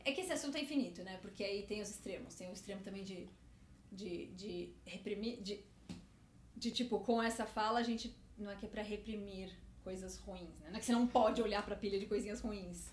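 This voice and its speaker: A woman's voice: mid-range voice, fairly quick, darkish tone. A woman co-hosting a podcast in casual chat, hesitant and searching for words as she thinks aloud. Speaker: podcast co-host. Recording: roomy with faint noise.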